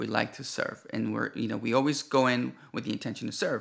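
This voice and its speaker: Speaking with a Spanish accent, a man talks at a fairly quick pace. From rural Mexico. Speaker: software company president. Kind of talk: casual interview.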